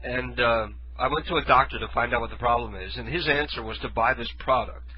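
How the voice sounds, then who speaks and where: A man's voice: medium pitch, a little fast, breathy edge, lo-fi sound. A man hosting his own internet radio show from his living room, talking loosely and self-deprecatingly while stuffed up from a head cold. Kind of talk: casual rambling monologue. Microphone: studio mic with headphones.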